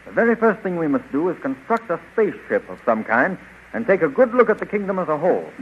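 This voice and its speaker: An actor playing a confident, decisive young adventure hero in an earnest 1930s radio serial. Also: male voice, on the high side, sing-song, fast talker. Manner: earnest, declamatory. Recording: muffled, hissy 1935 radio recording.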